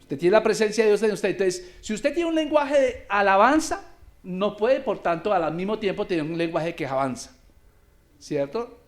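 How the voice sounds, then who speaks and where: A man's voice: sits high, expressive, normal speed. A male pastor preaching a sermon, asking his congregation questions as he teaches.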